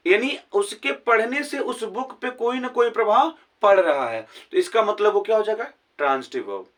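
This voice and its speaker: A man teaching a grammar lesson with a Hindi accent, his voice sitting fairly high. He keeps asking rhetorical questions to check that his students follow. The mic is set a little way back, so he sounds distant. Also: animated, moderate pace, fairly bright tone. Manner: asks many rhetorical questions to check understanding. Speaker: English teacher.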